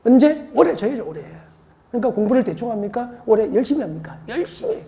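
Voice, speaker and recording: A woman's voice: fairly high pitch, very animated, fast, mellow. A woman from Seoul giving an exam-prep lecture, firing rhetorical questions and drilling mnemonics by repetition. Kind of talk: classroom lecture.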